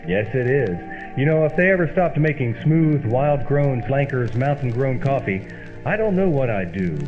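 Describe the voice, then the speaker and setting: A man acting as a wisecracking straight man and folksy pitchman in an old-time radio comedy, with an emphatic, theatrical delivery. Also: lively intonation, normal speed, natural voice. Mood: hearty salesman. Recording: dull lo-fi old-radio sound, music behind.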